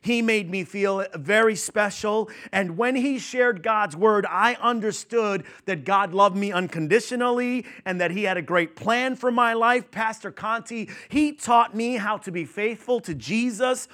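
A man's voice: sits high, a little slow, few pauses. A man in his fifties from New York, a pastor giving a conversational sermon to his congregation with chatty asides and fillers. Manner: conversational and warm-humored with the congregation, many fillers.

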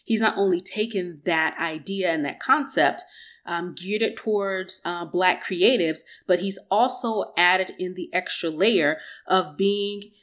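A woman's voice: lowish voice, a little slow, a bit bright. A woman co-hosting a casual tech news podcast, chatty and polite in manner. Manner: chatty, polite, laughs easily. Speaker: podcast co-host.

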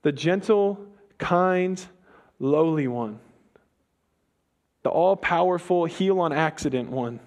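A young man preaching in an easygoing, chatty way, full of slang and quick asides. His voice sits a little high for a man. He moves from playful storytelling to earnest appeals. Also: lively intonation. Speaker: pastor. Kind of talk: sermon.

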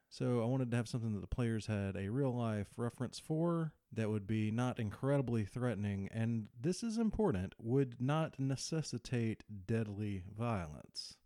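A man's voice: fairly low pitch, expressive, dark tone, no room sound, clean studio sound. A man, explaining his choices as game master in a voice-over commentary. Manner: explanatory, measured.

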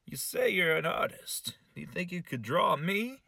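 A male podcast host with a gravelly, raspy edge and a bright, forceful tone. His pitch swings in a lively way as he teases his guest with sarcastic jabs. The sound is dry and close. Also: normal speed, no echo. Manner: sarcastic, mock-insulting teasing. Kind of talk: comedic host banter.

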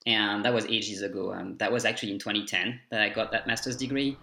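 French-accented man in his thirties, interview guest, forceful bright tone, roomy echo. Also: on the low side, steady tone, quick pace, creaky. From France. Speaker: guest, language coach. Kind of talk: podcast interview.

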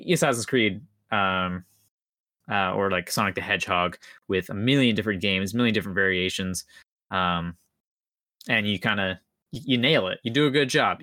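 Guy chatting on a podcast, bright forceful voice, very dry recording, kinda halting, repeats himself. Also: lowish voice, no echo. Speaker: podcast panelist. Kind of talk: casual podcast discussion.

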